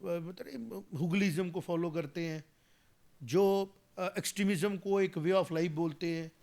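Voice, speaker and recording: Gravelly yet a little mellow, this high voice belongs to a man in his 40s who speaks unhurriedly as an interview's guest commentator. He offers emphatic political views, slips in English phrases and becomes heated as the argument builds.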